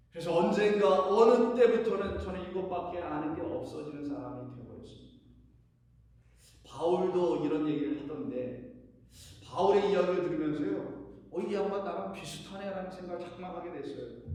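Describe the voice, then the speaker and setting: The room echo is audible and background noise is noticeable. A man speaks in a high voice with big swings in loudness. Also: ordinary pitch variation, moderate pace. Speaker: pastor. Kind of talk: sermon.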